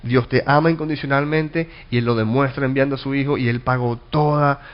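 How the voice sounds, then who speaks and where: With a steady-toned, mid-range voice and a slightly fast pace, a man preaches a Bible-study sermon as a pastor. He's earnest, restarts and repeats words, and asks himself rhetorical questions he then answers. The recording's highs are cut off.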